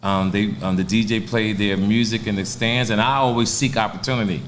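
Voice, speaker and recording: In a room with audible echo, a man with a fairly low pitch talks at a moderate pace with ordinary pitch variation. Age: 60s. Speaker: comedian. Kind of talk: casual chat.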